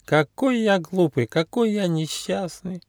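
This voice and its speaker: A man's voice: sits high, unhurried, a little mellow, no room sound, clean studio sound, pitched above the performer's own voice. A man voicing a clumsy, whining platypus in a children's storybook. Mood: whiny. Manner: whining, self-pitying.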